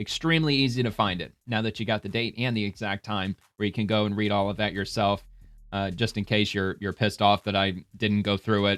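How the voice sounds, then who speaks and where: With music in the background, a man with a fairly low pitch speaks at a fairly quick pace and fairly even intonation. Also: dry, close sound with no echo. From not Britain. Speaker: political commentary streamer. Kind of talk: casual commentary reading online posts. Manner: casual, with fillers.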